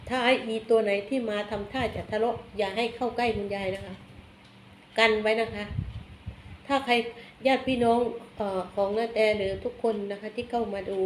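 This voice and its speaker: Chatty woman reading tarot, echoey room. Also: on the high side. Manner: chatty, blunt, ends phrases with polite particles. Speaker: tarot reader. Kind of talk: casual tarot reading monologue. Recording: echoey room, faint background noise.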